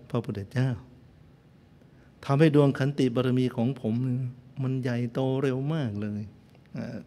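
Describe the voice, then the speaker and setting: A man's voice: mid-range voice, fairly even intonation, moderate pace, warm tone. A man, a Buddhist monk, giving a sermon that retells an old story, with playful joking asides to his listeners. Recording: long hall reverb.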